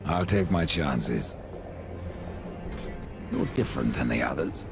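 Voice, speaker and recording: An actor playing a grim, sardonic horseman of death in a video game, gravelly and deadpan. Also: slow pace, music in the background, exaggerated voice. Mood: dry, sardonic. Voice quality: deep, gravelly. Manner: dry, deadpan, menacing. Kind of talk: video game cutscene acting.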